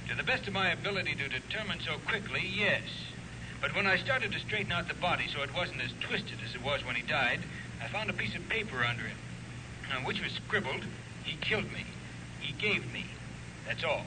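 A man acting as an earnest family doctor, with a middling-to-high voice and a measured delivery. It is 1940s radio drama with audible noise on the recording. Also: expressive, close to an everyday voice. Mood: concerned.

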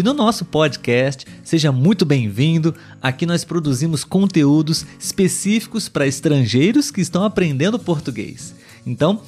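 A man's voice: a little high, darkish tone. Brazilian man hosting a learner podcast. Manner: clear, patient delivery with frequent check-in tags to listeners. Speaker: podcast host and Portuguese tutor. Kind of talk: solo educational podcast monologue for learners.

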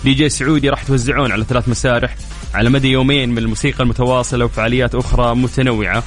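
A man's voice: mid-range voice, little pitch movement, racing, faint music behind. A man hosting a radio call-in show, breezy and joking as he runs a contest and promotes an event. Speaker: radio host. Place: radio studio.

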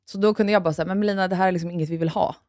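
A woman co-hosting a podcast in casual chat, relaxed and quick with agreeing murmurs. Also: on the low side, no echo, studio quality. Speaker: podcast co-host. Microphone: studio microphone.

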